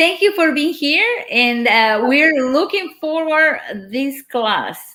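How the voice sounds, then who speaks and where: A woman's raised, projected voice with a Spanish accent, high in pitch with very wide pitch swings, bright and sharp in tone, at a very slow pace. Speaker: education program coordinator. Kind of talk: online class introduction.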